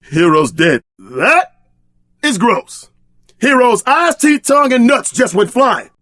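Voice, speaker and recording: A man's voice: very high-pitched, very animated, slow pace, pushed and bright, no echo, clean studio sound, exaggerated voice. An actor voicing a brash, trash-talking tough-guy sidekick in a video game, bombastic and streetwise in exaggerated combat barks. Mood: disgusted, gloomy.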